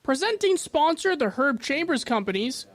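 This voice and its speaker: A man's voice: very high voice, big pitch swings, normal speed, fairly bright tone, a little hiss or hum. A man working as a local TV field reporter, giving an upbeat report from an event. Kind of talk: on-location news report.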